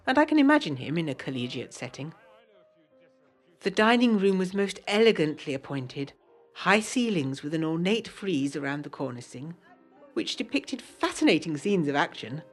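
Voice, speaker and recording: Genteel, spirited 1920s English lady, lowish pitch, English accent, prim articulate letter-reading for gothic radio drama, music underneath. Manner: prim, articulate, period turns of phrase. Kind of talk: scripted audio drama letter narration.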